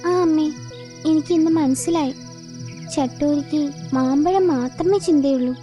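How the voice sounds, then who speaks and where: A woman's voice: sits high, unhurried, warm tone, soft background music. A woman voicing a naive, fretful young girl bird in a children's cartoon, childlike and earnest. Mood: apologetic.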